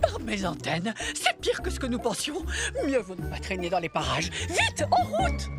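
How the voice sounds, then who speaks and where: A woman's voice: a little high, huge pitch swings, moderate pace. A woman voicing a frightened, fussy insect tourist in a children's cartoon, dramatic and stammering with alarm. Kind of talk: animated children's cartoon dub. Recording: background music under the dialogue.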